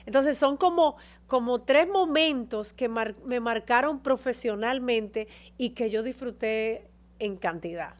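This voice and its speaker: A woman telling stories as a podcast guest, warm and expressive about her career and her home country. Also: a little high, a little slow. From Dominican Republic. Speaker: guest, actress and TV presenter. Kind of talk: casual interview chat.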